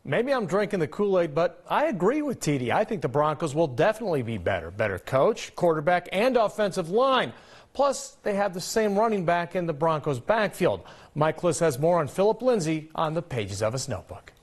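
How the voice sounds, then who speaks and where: An American man presents sports news in a high voice with lively swings of intonation. He moves between headlines and easy banter like a studio anchor. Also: moderate pace.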